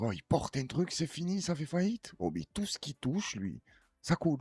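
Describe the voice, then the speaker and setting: A man's somewhat breathy voice moves slowly through very wide pitch swings, recorded dry and close with no echo on a very clean track with a silent background. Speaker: online commentary show host. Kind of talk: casual reaction commentary. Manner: animated.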